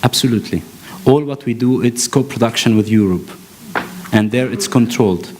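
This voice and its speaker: A man from Palestine, giving an earnest conference talk, often pausing and restarting as he searches for words. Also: mid-range voice, darkish tone. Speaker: actor and panel speaker. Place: conference hall stage.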